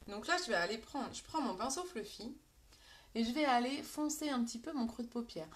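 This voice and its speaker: A woman's voice: fairly high pitch, a little fast. Chatty French woman giving a makeup tutorial. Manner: chatty, addresses viewers directly, reads out comments.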